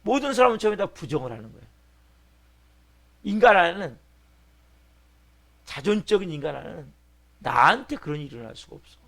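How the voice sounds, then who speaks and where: Man, pastor, gravelly voice, fairly high pitch, animated sermon. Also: brisk, long pauses. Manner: animated preaching, acting out patients' voices.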